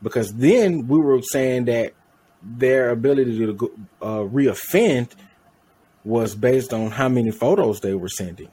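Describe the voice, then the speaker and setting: A man's voice: medium pitch, measured pace, mellow, husky. A man co-hosting a podcast in casual chat, rambling and correcting his own slips with a laugh. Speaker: podcast co-host.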